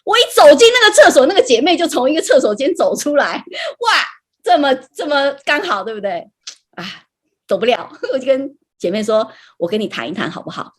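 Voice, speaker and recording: A woman's voice: sits high, sing-song, brisk. A woman giving a personal Christian testimony, chatting through her story with frequent light laughs and tag questions.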